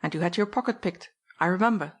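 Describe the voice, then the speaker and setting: A woman's voice: fairly low pitch, quick pace, natural voice. A woman reading an audiobook, voicing a composed man who speaks curtly and firmly. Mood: calm. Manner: curt, firm. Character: composed adult man, curt and commanding.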